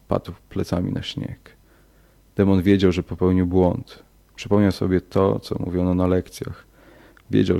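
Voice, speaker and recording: Low gravelly guy reading a horror story, slow and measured, dark mellow tone. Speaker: audiobook narrator. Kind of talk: scripted horror narration.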